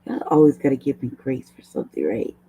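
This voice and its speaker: A woman host with a low, hoarse voice, chatting casually at a desk mic, rambling, laughing often and swearing. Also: very animated, fairly quick, warm tone, rough recording. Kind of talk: casual livestream talk.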